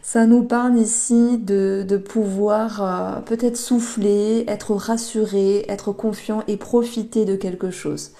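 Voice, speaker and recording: A woman giving a monthly tarot reading, talking gently with many hesitations and restarts. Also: medium pitch, fairly even intonation, takes it slowly, few pauses. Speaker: tarot reader.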